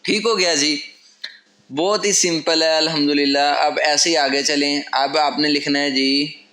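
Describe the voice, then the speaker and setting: A man's voice: on the high side, fairly even intonation, normal speed, sharp tone. A man teaching a lesson at a whiteboard. He explains patiently, step by step, and repeats his key phrases. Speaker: language teacher. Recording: echoey room.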